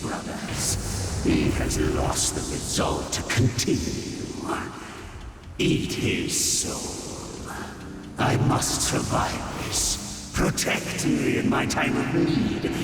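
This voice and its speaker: A creaky, imperious demon-cult priest, slow and grandly theatrical. His pitch swings widely as he preaches menace like a video game villain. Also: heavy background noise, full character voice. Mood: desperate. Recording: roomy distant voice under loud music.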